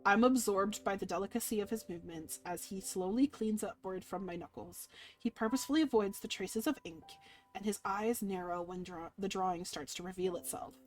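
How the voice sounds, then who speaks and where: A woman with a mid-pitched voice reads a visual novel aloud as a game streamer. Her delivery is expressive and playful, dramatic yet casual, with music underneath. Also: brisk, low-quality recording.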